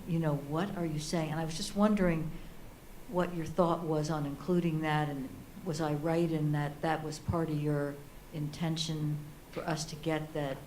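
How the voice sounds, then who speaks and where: A woman with a very low voice puts a casual, tentative question from the audience. There is some noise from the room around her. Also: fairly even intonation, normal speed, darkish tone. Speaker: audience member asking a question. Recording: noisy live audience room recording.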